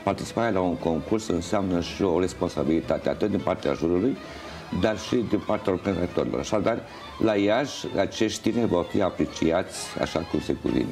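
An older man being interviewed in a TV studio, explaining things in a halting, measured way. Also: low-pitched, darkish tone. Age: older, around 60s. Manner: halting, measured, pausing mid-phrase. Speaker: interview guest, folk festival organizer and juror. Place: indoor TV studio. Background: music playing.

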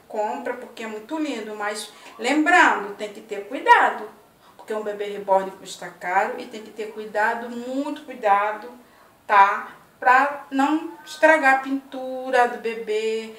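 Woman, 50s, home vlogger, warm chatty delivery, roomy kitchen echo, camera mic set back. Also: on the high side, slight background noise. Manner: chatty, affectionate, tags lines with "né" and "ó". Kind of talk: casual chat to camera. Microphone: laptop or webcam at arm's length. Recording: echoey tiled kitchen, mic at a distance.

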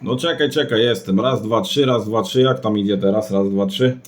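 A man's voice: lowish voice, moderate pace. A man talking casually and matter-of-factly as a CB radio operator. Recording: roomy sound with clear noise and clicks.

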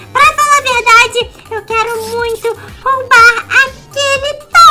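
A woman hosting a gaming channel narrates her game role-play in an excited, chattering way. She exclaims often. Her voice is extremely high-pitched, with clear background music under it.

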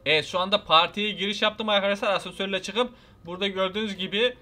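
A young man giving excited, playfully menacing commentary over his own gameplay, repeating lines and talking to his viewers. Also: sits high, fast. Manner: loud, repetitive, playfully menacing banter. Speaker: gameplay video host.

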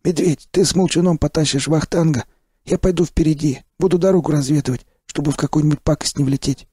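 A man voicing a hoarse, wisecracking veteran male stalker who talks brashly and gives orders in an audiobook. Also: a little high, fairly even intonation, fast talker, warm tone, no echo, studio quality, pitched above the performer's own voice. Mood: commanding. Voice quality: hoarse, wheezy. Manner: brash, bossy and joking.

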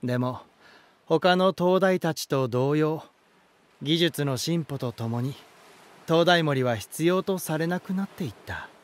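Man playing genial male lighthouse spirit, elegant, slow storytelling, lightly high-pitched, theatrical voice drama delivery. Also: close to an everyday voice. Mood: wistful. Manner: smooth-mannered, theatrical, unhurried storytelling. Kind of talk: Japanese voice drama acting.

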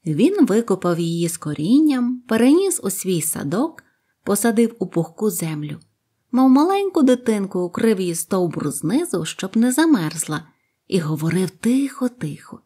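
A woman reading a fairy tale aloud in a calm, tender narrating voice. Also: mid-range voice, moderate pace, slightly rough. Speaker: storyteller.

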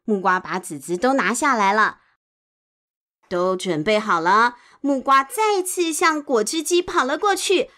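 A woman's voice: fairly high pitch, animated, a little slow. A woman telling a picture-book story as if reading to a toddler, exclaiming and asking little questions. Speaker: host, storyteller. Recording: music behind the voice. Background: soft music.

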